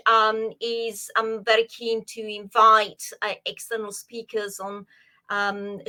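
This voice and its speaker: A woman's voice: mid-range voice, sharp tone. A woman from Italy, a psychologist and former dancer, answering interview questions hesitantly with many fillers and restarts. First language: Italian.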